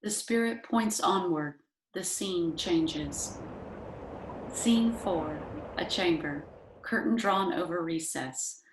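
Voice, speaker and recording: A woman's voice: lowish voice, slow. A woman reading scripted stage directions as narrator. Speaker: narrator, library staff reader. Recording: roomy echo, faint noise, clicks.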